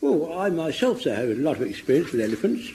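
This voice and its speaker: An actor playing an eager, rambling old soldier in a radio comedy. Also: male voice, on the high side, big pitch swings, fast, dark tone, a little hiss or hum. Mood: boastful.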